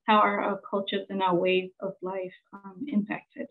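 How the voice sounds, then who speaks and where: A Samoan woman journalist in her forties giving an earnest conference presentation, pausing often with fillers. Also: mid-range voice, completely flat delivery, soft background music. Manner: earnest, halting with many fillers. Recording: tinny phone-like sound.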